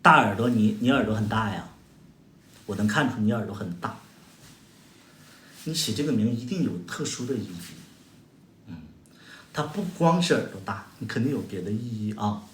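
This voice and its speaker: A man from Heilongjiang, China, with a Northeastern Mandarin accent hosts a casual livestream, answering viewer comments with sarcastic, mocking, combative retorts and exaggerated exclamations. His pitch jumps up and down animatedly at a moderate pace with long pauses, and his voice echoes around a roomy space with a faint hiss or hum.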